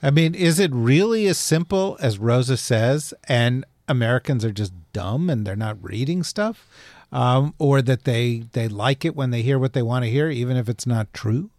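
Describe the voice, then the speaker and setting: A man's voice: mid-range voice, expressive, darkish tone, no room sound. Wry New Jersey man hosting. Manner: wry, joking, halting with fillers. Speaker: podcast host. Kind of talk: casual panel chat.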